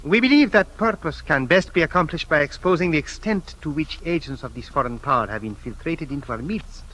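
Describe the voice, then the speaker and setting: Sanctimonious inquisitor, slightly high, bright voice, measured and oily, vintage radio drama. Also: male voice, animated, slight background noise, poor audio. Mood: unctuous. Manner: measured, unctuous. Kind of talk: 1950s radio drama acting.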